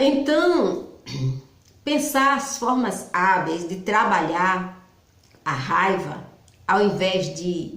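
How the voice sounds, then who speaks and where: Middle-aged woman host, mid-pitched, chatty explainer, roomy echo. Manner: conversational, personal, with frequent "então" restarts. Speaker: psychology channel host. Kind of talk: informal explanatory talk.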